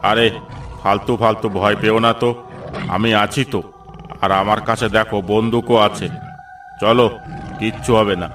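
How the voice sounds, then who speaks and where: A man voicing a gruff, commanding middle-aged police officer in a cartoon. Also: fairly low pitch, little pitch movement, moderate pace, pauses often, far from the mic, noisy background, close to an everyday voice. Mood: stern. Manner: commanding, dismissive.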